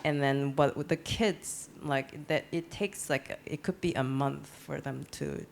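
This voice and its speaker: Gravelly-voiced artist on a panel, lots of ums, kinda halting. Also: medium pitch, steady tone, a little hiss or hum. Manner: hesitant, many fillers and restarts. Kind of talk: panel discussion. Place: panel event.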